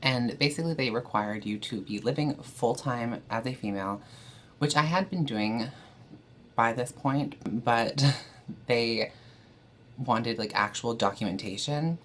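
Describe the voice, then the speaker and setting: A woman's voice: a bass voice, moderate pace, a little hiss or hum. Chatty young trans woman vlogging. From Canada. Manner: chatty, frequent "like" and "um". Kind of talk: casual talk to camera.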